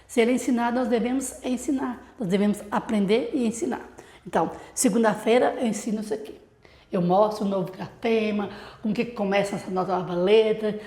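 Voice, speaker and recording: A woman's voice: mid-range voice, a little mellow, reverberant. A woman literacy teacher with a Brazilian accent, explaining a classroom routine to other teachers and asking rhetorical questions.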